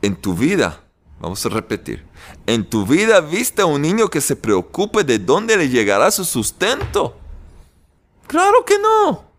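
A man giving a sermon as a religious teacher, animated, with many rhetorical questions and dramatic pauses. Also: mid-range voice.

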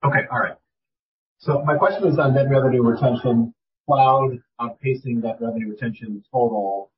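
A man asking polite, halting questions as an analyst over a video call, his audio carrying an echo. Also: medium pitch, steady tone, a little hiss or hum. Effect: echo on his audio line. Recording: muffled echoey call audio.

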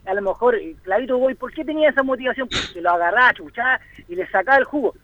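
Male football panelist on a phone line, hesitant and filler-heavy, high pitched. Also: expressive, quick pace, no echo. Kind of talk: sports talk debate. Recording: tinny phone-line sound.

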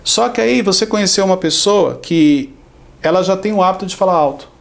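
A man's voice: high-pitched, brisk, vocal fry. A Brazilian man on a podcast, teaching in a conversational way, explaining with everyday examples and acting out quotes. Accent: Brazilian Portuguese. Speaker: podcast guest.

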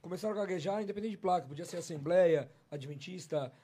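A male host with a high-pitched, husky and mellow voice who talks quickly. He keeps the casual interview going with quick slangy agreements and short follow-up questions. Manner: brief affirming interjections, slang.

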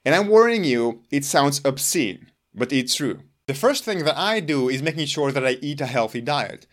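A man whose first language is Hebrew, earnestly explaining his own exercise routine to the camera in a deliberate, emphatic way. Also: mid-range voice, expressive. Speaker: longevity vlogger.

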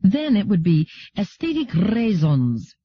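Here is a man playing a haughty, curious lady of noble birth in an audiobook. The speech is prim and precise, lifted high in pitch. The recording is somewhat dull and lo-fi. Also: sing-song, a little fast, husky, exaggerated voice. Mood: teasing, correcting. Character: haughty, curious aristocratic woman from another world. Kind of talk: audiobook character dialogue.

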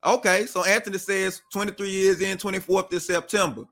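A man's voice: high-pitched, steady tone, a little fast, a bit bright. A man co-hosting a casual talk show, reading out viewer comments and prodding them for answers. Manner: conversational, reads out comments and pushes for answers. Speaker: podcast co-host.

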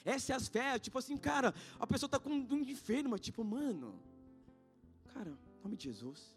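A man in his thirties with a Brazilian Portuguese accent, preaching in church. He talks in slangy, casual asides, swinging between loud exhortation and hushed storytelling. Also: extremely high pitch, lively intonation, normal speed. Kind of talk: sermon. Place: church sanctuary. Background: faint guitar music.

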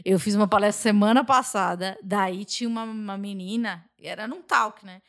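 A Brazilian woman talking casually as a podcast guest, telling stories in an animated, talkative way. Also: medium pitch, normal speed. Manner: talkative, animated storytelling with frequent laughs.

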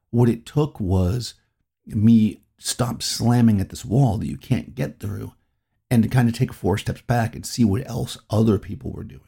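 Gravelly, low-voiced man from New England. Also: warm tone. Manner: rambling, circles back on himself. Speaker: podcast host. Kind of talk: reflective solo podcast talk.

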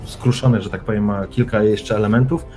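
A man's voice: on the low side, steady tone, brisk, darkish tone, faint music behind. A man running a tabletop role-playing session as game master, narrating immersively in the second person with dramatic build-up.

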